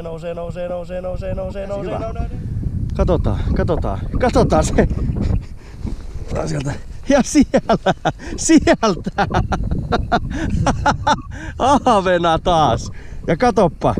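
A man's voice: high-pitched, expressive, pauses often, noisy background. A man in his thirties hosting a fishing vlog, talking in an enthusiastic, chatty way on a frozen lake and later at a kitchen table. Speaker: fishing channel host. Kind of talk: casual on-camera chat. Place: outdoors on a frozen lake, then an indoor kitchen.

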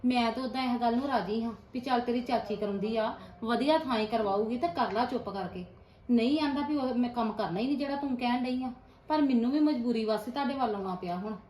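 A woman with an Indian Punjabi accent playing a soft-spoken mother of a grown son who explains herself apologetically and persuasively. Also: a little high, fast talker, a little hiss or hum, natural voice. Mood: pleading. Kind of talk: village family drama acting. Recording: echoey room.

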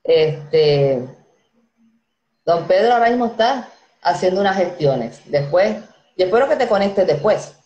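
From a small indoor room, a woman in her thirties from the Dominican Republic runs a casual live stream, chatting amiably, reading names and comments aloud and laughing easily in her Dominican Spanish accent. Her voice is on the low side, animated and warm, unhurried with long pauses. Audio from her earphone headset mic is dull and echoey.

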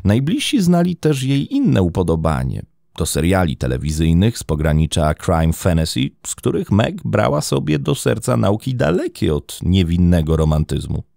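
A man narrating a true-crime story in a measured, dramatic storytelling manner. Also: deep voice, huge pitch swings, vocal fry, mellow, no room sound, clean studio sound.

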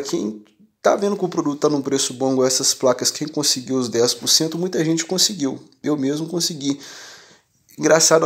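A man's voice: fairly high pitch, gravelly. A man with a Brazilian accent talking casually and emphatically to his channel's viewers, often checking that they follow. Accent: Brazilian Portuguese. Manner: animated, emphatic, keeps asking "entendeu?". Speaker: tech channel host and shopkeeper. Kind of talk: casual direct-to-viewer talk.

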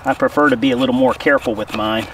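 Speaking fast in a mid-range voice, a man in his forties hosts bushcraft instruction at a forest campsite, relaxed and casual as his hands stay busy. The camera is a few feet away, making his voice a bit distant with faint outdoor noise.

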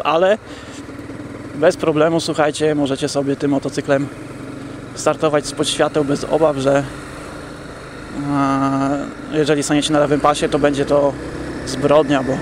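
A young man talking casually to viewers while riding a motorcycle through city traffic, in a relaxed, chatty way. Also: on the high side. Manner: relaxed, chatty, addresses viewers directly, drawn-out fillers. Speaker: motovlogger. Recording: helmet mic with wind and traffic noise.

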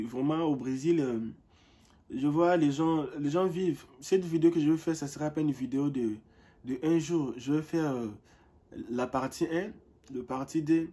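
Brief young male vlogger, warm husky tone, chatty and repetitive delivery. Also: medium pitch. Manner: animated storytelling, repeats words as he searches for them. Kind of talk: casual vlog talk to camera.

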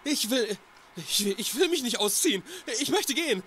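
A man's voice: extremely high pitch, lively intonation, moderate pace, sharp tone, slight background noise, full character voice. An actor playing a frightened young man in a radio play, hesitant and then panicking. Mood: uneasy. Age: young adult.

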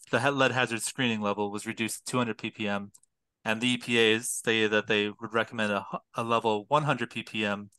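A young man on a video call explains his research through a headset, careful and detailed, often pausing on fillers. His voice is bright and crisp. The sound is dry and close. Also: on the low side, dry recording. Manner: detailed, precise, many fillers and restarts. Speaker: public health PhD student, guest. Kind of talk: explanatory interview talk.

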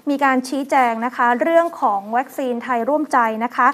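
A woman co-hosting a news show, chatting and reading out schedules with soft polite particles. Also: high voice, a little fast.

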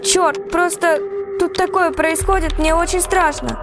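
A woman's voice: very high-pitched, fairly even intonation, unhurried, music in the background. A woman voicing a frightened, anxious young woman stranded on a train in a horror text-message story. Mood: anxious, impatient. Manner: anxious, breathless exclamations and pleas.

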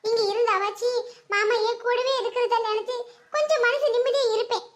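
A woman voicing a gentle young widowed mother with a southern Tamil Nadu accent, pleading softly. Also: extremely high pitch, brisk, a little hiss or hum. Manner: pleading, soft.

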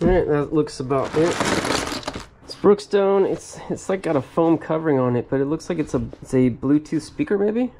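A man's voice: on the high side, expressive, moderate pace, warm tone, a little hiss or hum. A man hosting a casual storage-locker vlog, thinking aloud as he digs through items, with frequent hmms and little laughs. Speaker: storage locker reseller host. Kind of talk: casual unboxing commentary. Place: cluttered metal storage unit.

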